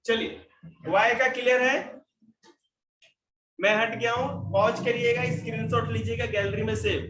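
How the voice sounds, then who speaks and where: In an echoey room with a noisy background, a man teaches spoken English to a class. He takes each example sentence slowly, explaining it in Hindi and English, and his voice is on the high side.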